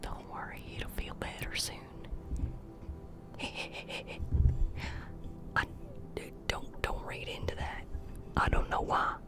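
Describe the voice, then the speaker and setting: A woman's voice: normal speed, over loud music. A woman from the United States whispering ASMR close to the mic in a playful, teasing way. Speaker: ASMR creator.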